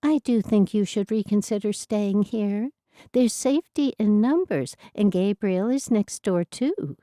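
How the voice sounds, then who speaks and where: A fussy, protective Amish hostess, as a woman reader puts her on in a storybook, her voice lifted well above the narration. She sounds dark and mellow, close and dry. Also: medium pitch, a little slow, no echo, pitched above the performer's own voice, close to an everyday voice. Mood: concerned.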